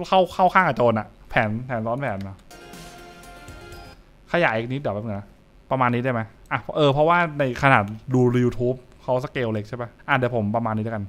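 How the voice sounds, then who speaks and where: A young adult streamer with a medium-pitched, fairly bright voice reacts casually to horror comics as he reads. Short phrases get repeated as he thinks aloud over background music.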